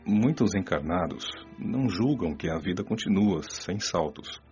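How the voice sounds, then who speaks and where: Man doing wise spirit mentor, very deep, calm, explanatory, dull audio, faint music. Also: unhurried, husky, full character voice. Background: soft background music.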